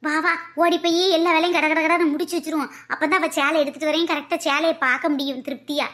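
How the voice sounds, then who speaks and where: A woman voicing a scheming, nosy older mother-in-law in a cartoon comedy, with a high nagging voice. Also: steady tone, fast, a bit bright.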